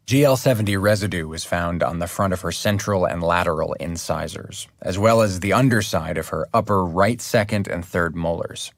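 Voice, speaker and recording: An actor playing a serious true-crime podcast host, narrating in a measured, scripted way. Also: male voice, deep voice, vocal fry, no echo, studio quality.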